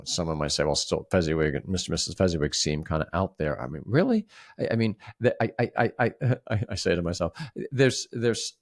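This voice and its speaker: A man co-hosting a reflective conversational discussion, speaking haltingly with frequent repeated words and restarts. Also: sits low, expressive. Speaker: podcast co-host.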